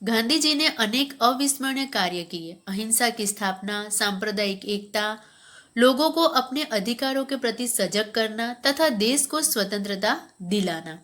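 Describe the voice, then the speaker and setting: A woman teaching schoolchildren grammar speaks a little high, a bit bright, and a little slowly, with lively intonation. She reads passages from the textbook and explains them, then repeats her points as questions to the class.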